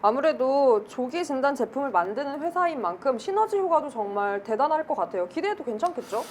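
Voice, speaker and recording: A woman hosting a financial broadcast, reading her script in a crisp, upbeat presenter manner. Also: sits high, sing-song, brisk, a little mellow, slight background noise. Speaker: show host.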